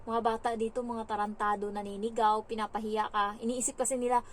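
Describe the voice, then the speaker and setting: A young woman from the Philippines, a domestic helper telling stories in a casual vlog, chatty and animated with lots of fillers. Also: fairly high pitch, fairly quick, a little hiss or hum.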